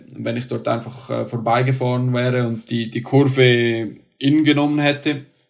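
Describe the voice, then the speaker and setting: His delivery comes at a moderate speed with a pitch in the medium range. Intonation stays monotone and flat throughout. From Switzerland. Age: 20s. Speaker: professional road cyclist. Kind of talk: interview.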